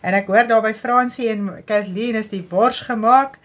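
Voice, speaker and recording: A woman in her fifties with an Afrikaans accent, chatting lively and laughing during a home church broadcast. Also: a little high, normal speed. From South Africa. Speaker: co-pastor. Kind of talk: casual church broadcast chat. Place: home room with wall of plates, indoors.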